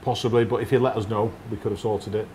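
A man's voice: fairly low pitch, level tone, fast talker, darkish tone, a little hiss or hum. A man, a restaurant owner answering bluntly and matter-of-factly. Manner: blunt, firm, matter-of-fact. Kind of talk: casual interview. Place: restaurant dining room. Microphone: lapel mic.

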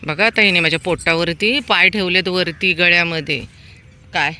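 A woman's voice: lowish voice, normal speed, pushed and bright, a little hiss or hum. A woman chatting casually outdoors at night, calling out and coaxing street animals with affection. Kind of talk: casual vlog talk.

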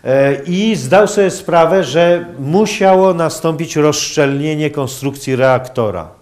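A man giving a public lecture in a halting, hesitant manner with long pauses. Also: on the high side, darkish tone. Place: university lecture hall, indoors.

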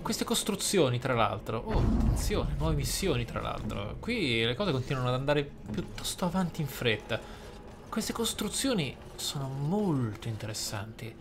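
A man's voice: mid-range voice, sing-song, moderate pace. A man hosting a gameplay video, commentating in a roleplay style with wry, rather formal wording. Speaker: gaming video host. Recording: clear game noise behind voice. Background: video game sounds.

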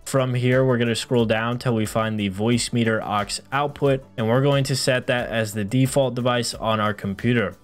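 A man in his thirties hosting a software tutorial, explaining things methodically step by step in an instructional style. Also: mid-range voice, steady tone, moderate pace, hardly any pauses. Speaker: tutorial host. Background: background music.

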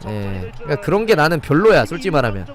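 Excitable man calling live game play. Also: fairly high pitch, quick pace. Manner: excitable play-by-play, chatting with viewers. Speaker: game streamer. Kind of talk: live gameplay commentary.

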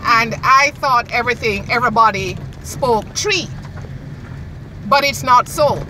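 A woman with a Jamaican accent, vlogging casually from the back of a moving car and talking to her viewers. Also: on the high side. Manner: slow, chatty, addresses viewers directly. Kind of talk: casual vlog talk. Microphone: phone camera in the car. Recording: car and road noise, distant mic.

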